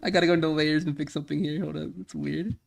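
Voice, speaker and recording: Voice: medium pitch, steady tone, fast talker, gravelly. An animator and stream host chatting casually while working, giggling often and breaking off mid-sentence. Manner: giggly, self-interrupting, swinging between loud and quiet.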